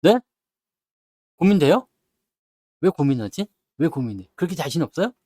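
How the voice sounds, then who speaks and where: A man talks stock markets to his viewers in a blunt, scolding way, firing off rhetorical questions and mimicking their grumbles. His voice sits high and swings widely in pitch. The sound is dry and close. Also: big pitch swings, dark tone, breathy edge, no room sound. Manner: acts out investors' grumbling in quick asides. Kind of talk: lively market talk to viewers.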